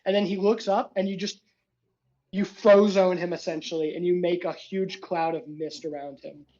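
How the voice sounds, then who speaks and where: A man's voice: high-pitched, fairly even intonation, normal speed, warm tone, muffled recording. A young man running a tabletop game as dungeon master, narrating loosely and chatting about rules.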